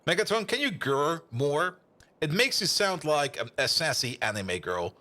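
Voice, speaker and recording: High-pitched, lively male game streamer. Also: normal speed. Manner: rambling, repeats words, excitable. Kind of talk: casual chat with viewers while gaming.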